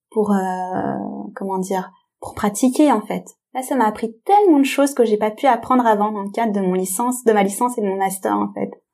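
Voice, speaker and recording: The delivery has ordinary pitch variation and a moderate pace. Background music is audible. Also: woman. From France, Tamil heritage. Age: 30s. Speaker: psychologist and PhD student. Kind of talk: interview conversation. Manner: casual, with many fillers.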